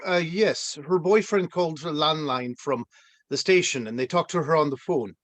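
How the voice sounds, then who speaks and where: Man playing a high-voiced, placating commune man. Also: normal speed, a bit bright, a little hiss or hum, natural voice. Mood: evasive politeness. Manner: hesitant, soothing. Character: placating, falsely friendly male commune member. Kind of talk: dramatic table read.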